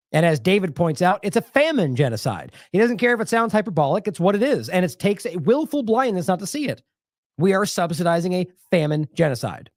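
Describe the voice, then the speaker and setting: An American man hosts an independent news show, his high-pitched voice captured in clean studio quality with no echo. His commentary is sarcastic and indignant, packed with rhetorical questions.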